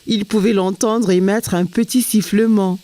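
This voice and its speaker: A woman performing as the gentle storytelling narrator of a children's cartoon in French, with soft music behind. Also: mid-range voice, steady tone, moderate pace, no room sound, natural voice.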